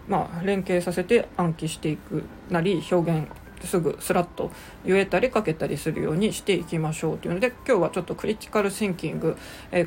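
A woman hosting a casual solo podcast lesson on English exam preparation, talking relaxed and chatty with many fillers, slowing down on English words. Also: on the low side, a little hiss or hum. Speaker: podcast host teaching English exam prep.

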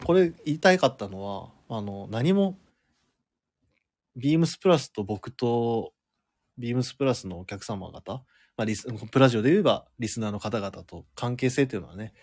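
Chatty Japanese radio host, laughing easily. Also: male voice, mid-range voice. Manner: relaxed and chatty, laughing often, with many fillers. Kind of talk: casual live radio chat, reading listener comments.

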